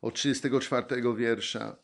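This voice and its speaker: A man preaching a sermon, reading Bible verses and speaking slowly and reflectively, then rising into fervent exclamations. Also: mid-range voice, steady tone, vocal fry.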